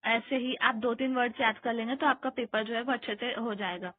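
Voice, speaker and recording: Slow-reading Indian woman teacher, tinny sound. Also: on the high side, fairly even intonation, slight background noise. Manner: reads English lines slowly, explains in Hindi with many hesitations. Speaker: teacher explaining exam notes. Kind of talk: study lesson, reading English text and explaining in Hindi. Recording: tinny phone-quality audio.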